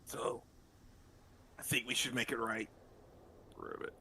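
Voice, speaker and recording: A man playing a tabletop game, talking in character with a gravelly, husky voice. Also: mid-range voice, level tone, a little slow, pushed and bright, slight background noise. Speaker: player.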